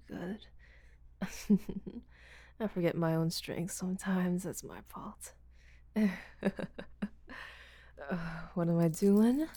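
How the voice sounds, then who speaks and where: A woman playing a breathy, giggling seductress. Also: medium pitch, dark tone, no echo. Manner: breathy whispering, frequent giggles, teasing. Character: teasing, domineering seductive woman, rough-handed. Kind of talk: audio roleplay.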